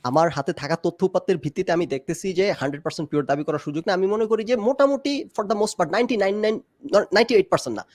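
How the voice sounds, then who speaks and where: A discussion guest in a casual live-stream debate argues his point, mixing English phrases into his Bengali. His voice is high-pitched, fast and a little mellow. The sound is clean studio audio with no room sound.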